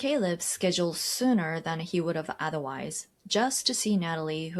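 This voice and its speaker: In a very clean recording with a silent background, a woman with a Japanese accent speaks at a moderate pace, her fairly low pitch showing ordinary variation. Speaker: podcast host. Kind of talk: reading a story aloud.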